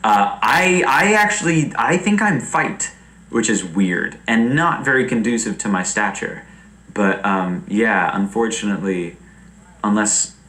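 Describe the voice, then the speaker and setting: A young man chatting casually on a livestream, rambling and animated, laughing often. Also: on the low side, reverberant, low-quality recording. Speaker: streamer.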